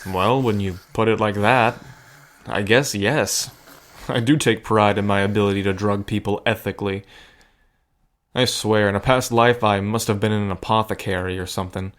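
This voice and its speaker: A man plays a protective cousin caught up in a gambling scheme. His voice sits fairly low and stays conversational. He speaks earnestly, with a dry wit, as in an intimate audio drama. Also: fairly even intonation, moderate pace, natural voice. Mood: wry, relaxed. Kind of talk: scripted audio drama acting, addressed to the listener.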